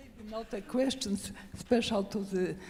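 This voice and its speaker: Here a woman talks at a fairly slow pace with a Polish accent. Her voice sounds somewhat breathy. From Poland. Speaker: audience member, sports official. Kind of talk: audience comment at a forum. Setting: conference hall with audience. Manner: halting, non-fluent.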